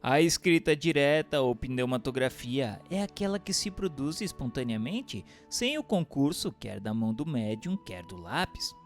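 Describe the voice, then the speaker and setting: A man's voice: mid-range voice, big pitch swings, normal speed, hardly any pauses. A man with a Brazilian accent reading a book aloud as a narrator, in a formal, declamatory way. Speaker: audiobook narrator. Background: music.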